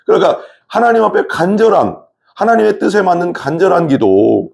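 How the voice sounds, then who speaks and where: Mellow-voiced Korean pastor talking through scripture. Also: male voice, high voice, lively intonation, brisk, creaky. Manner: conversational, asks the listeners questions, frequent fillers. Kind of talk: Bible study sermon.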